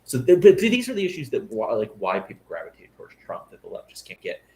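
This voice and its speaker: A man's voice: mid-range voice, huge pitch swings, quick pace, warm tone, slight background noise. A man hosting a podcast, asking long, chatty questions full of fillers. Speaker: podcast host. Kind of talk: casual interview questions.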